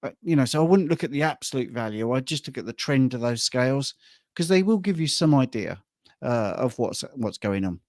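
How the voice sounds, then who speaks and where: Hoarse English man, hosting. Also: mid-range voice, animated, brisk, darkish tone, dry recording, clean studio sound. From England. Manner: chatty, self-mocking. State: hoarse from shouting. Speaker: host reading questions. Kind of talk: live Q&A chat.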